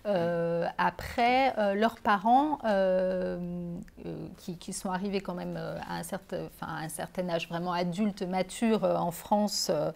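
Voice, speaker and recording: A woman's voice: on the low side, steady tone, a little slow, gravelly, a little mellow. A middle-aged woman author speaking at a bookshop reading, hesitant, with many fillers and restarts. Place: bookshop reading event, indoors.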